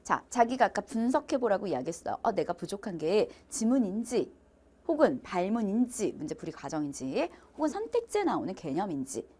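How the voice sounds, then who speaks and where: Animated Korean woman teaching test prep. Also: medium pitch, a little fast, husky. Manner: switches between polite speech and casual talk to students, acts out quoted lines. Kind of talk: lively lecture promo talk to students.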